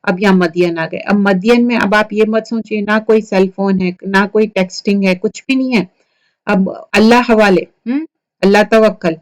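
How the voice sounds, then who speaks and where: Lady teacher retelling a scripture story, chatty lecture, keeps asking the class questions. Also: medium pitch. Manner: storytelling, asks listeners rhetorical questions. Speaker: Quran teacher for women. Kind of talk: conversational Quran commentary lecture.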